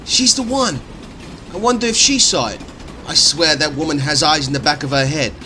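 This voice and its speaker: A man playing a chatty, excitable small-town fellow in an audio drama, talking in a folksy, eager way. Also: fairly high pitch, moderate pace, a little hiss or hum. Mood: gossipy, curious. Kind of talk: amateur audio drama dialogue.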